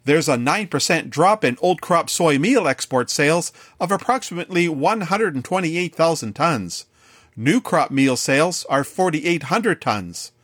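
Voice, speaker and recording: A Canadian man reading a scripted radio farm market report in a measured newsreader delivery. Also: on the high side, lively intonation, fairly bright tone, breathy edge, no room sound.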